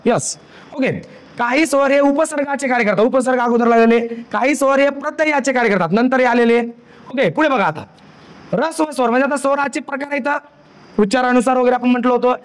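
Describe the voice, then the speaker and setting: A man teaching a grammar lesson for exam preparation, repeating points and often checking that students understand. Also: extremely high pitch. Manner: repetitive, checks understanding with frequent questions.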